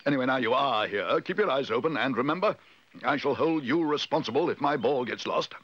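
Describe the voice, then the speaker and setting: A man's voice: medium pitch, expressive, fairly quick, dry recording, muffled recording, voice pushed up, natural voice. A man voicing a pompous, bossy, irascible neighbour who blusters indignantly in a children's storybook reading.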